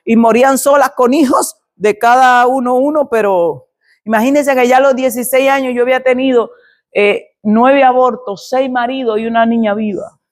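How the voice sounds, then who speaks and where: A woman's voice: a little high, normal speed. Woman pastor preaching a dramatic testimony. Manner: dramatic storytelling, acts out quoted dialogue. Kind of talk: sermon with personal testimony.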